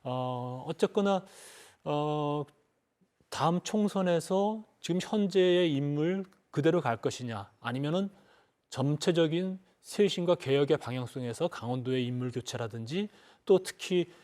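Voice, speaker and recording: Middle-aged male ex-politician, measured and halting, lots of fillers, studio panel guest. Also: on the high side, animated, a little mellow. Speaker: former lawmaker, panel guest.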